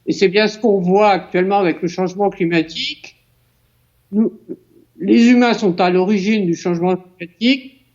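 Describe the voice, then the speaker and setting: A woman's voice: mid-range voice, darkish tone. Woman philosopher explaining on a dull mic. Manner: measured explanation with small restarts. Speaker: philosopher guest. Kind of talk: answering in a panel debate. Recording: slightly dull lo-fi sound.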